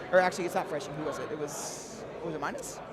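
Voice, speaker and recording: Speech runs at a very fast pace over noticeable background noise. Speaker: esports caster. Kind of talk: live commentary. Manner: projecting.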